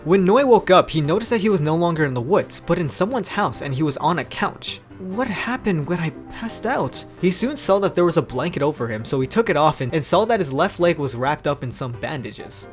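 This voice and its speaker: A young man with a fairly high voice reads a story aloud in a casual way. His delivery is very lively and swings widely in pitch as he reacts to what he reads. Music plays behind him. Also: fairly quick, few pauses. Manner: animated, reacts to the story as reading. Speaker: video host reading fan fiction aloud. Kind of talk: casual storybook reading with chatty commentary.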